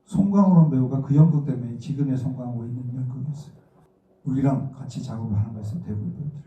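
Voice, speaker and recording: A man's voice: mid-range voice, quick pace, warm tone. A middle-aged man from Daegu with a Daegu accent, giving an informal, conversational lecture full of personal stories as a stage actor. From Daegu, South Korea. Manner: conversational, acts out remembered dialogue. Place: indoor lecture room, recorded from a distance. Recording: muffled, echoey room, distant mic.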